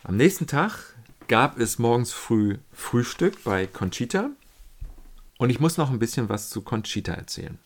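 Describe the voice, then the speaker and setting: A man telling a casual, reflective account of his pilgrimage, often pausing and searching for the right words. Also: lowish voice, creaky. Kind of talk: casual spoken travel account.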